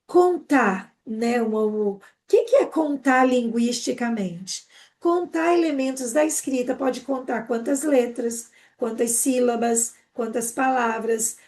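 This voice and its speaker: A woman with a Brazilian Portuguese accent giving a live online training for teachers, explaining quickly and eagerly with many "né?" tags. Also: fairly high pitch, a little mellow.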